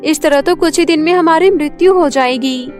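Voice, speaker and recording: A woman's voice: high voice, moderate pace, faint music behind, lightly acted. A woman voicing an earnest, worried female fairy in a cartoon story. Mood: anxious.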